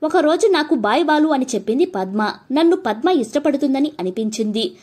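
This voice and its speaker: Woman, Telugu accent, audiobook narrator, gentle and even, slightly high voice. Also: brisk. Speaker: storyteller.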